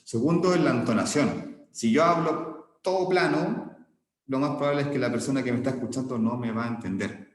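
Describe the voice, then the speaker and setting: A man's voice: medium pitch, fast, a little mellow. A man gives an online lecture, explaining patiently and checking in with the listeners. His mid-range voice rings in a bare, echoey room with a long reverb tail. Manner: explanatory, frequent "¿ya?" check-ins and restarts. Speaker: teacher.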